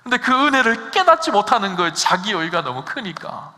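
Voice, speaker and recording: Man, pastor, sermon, rhetorical questions, emphatic, bright tense voice, reverberant hall. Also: high-pitched, sing-song, fairly quick. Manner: preaching with rhetorical questions to the congregation, rising to emphatic peaks. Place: church sanctuary.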